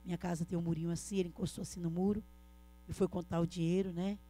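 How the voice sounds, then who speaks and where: Fast-talking woman giving an earnest testimony. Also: on the low side, level tone, mellow. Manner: earnest storytelling, often addressing listeners as brother. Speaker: church speaker giving a testimony. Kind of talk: emotional church testimony.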